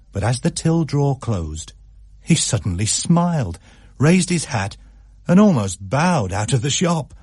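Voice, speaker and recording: Husky man reading a radio story. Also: mid-range voice, dry recording, clean studio sound. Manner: expressive, shifts pace for effect. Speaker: narrator.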